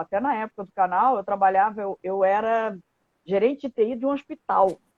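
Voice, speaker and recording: A woman speaks at a fairly quick pace with a strong Carioca accent, her pitch fairly high. Her intonation is lively, and the sound is dry and close with no echo. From Rio de Janeiro, Brazil. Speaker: retired open-water swimmer. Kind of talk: casual interview chat. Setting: Instagram live video call.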